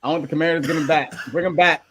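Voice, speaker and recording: A man's voice: on the high side, steady tone, racing, a bit bright, a little hiss or hum. A man co-hosting a casual sports chat over an online call, curious and laughing at himself as he makes his picks. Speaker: co-host.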